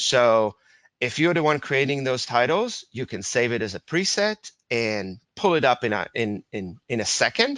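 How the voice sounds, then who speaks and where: A man speaks at medium pitch with a non-native accent and lively intonation. The sound is dry and close, with no echo. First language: not English. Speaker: online editor and colorist. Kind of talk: software tutorial webinar. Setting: online webinar. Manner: many fillers (um, uh).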